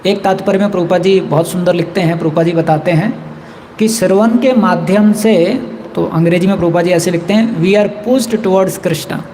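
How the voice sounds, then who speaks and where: A man's voice: high-pitched, fairly even intonation, fairly quick, dark tone, big-room sound, slight background noise, rough recording. A man giving a scripture class in a temple, explaining verses, chanting lines in Sanskrit and reading quotations in English. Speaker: temple speaker. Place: temple hall.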